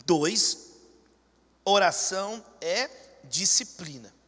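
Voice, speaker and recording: A man's voice: high voice, expressive, very slow, fairly bright tone. A male pastor with a Brazilian Portuguese accent, preaching a fervent sermon and calling out to his congregation. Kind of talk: energetic sermon. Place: large church hall, indoors. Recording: long church hall reverb.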